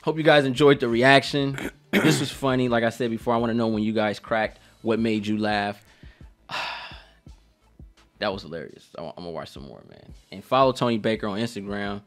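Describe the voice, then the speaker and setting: A man's voice: on the low side, a little fast, soft background music. A man hosting a casual reaction chat in a slangy, informal way. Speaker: reaction channel host.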